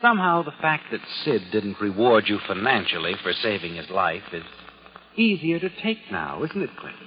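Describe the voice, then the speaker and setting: A man's voice: lowish voice, sing-song, moderate pace, slight background noise. An American actor playing a sly, all-knowing narrator in a 1940s radio crime drama, needling his listener in a knowing, insinuating way. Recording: dull vintage 1940s radio broadcast, loud music. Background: dramatic music.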